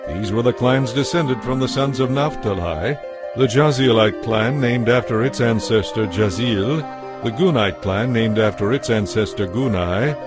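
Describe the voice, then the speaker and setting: A man giving a measured, formal narration of scripture from a script. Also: medium pitch. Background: music.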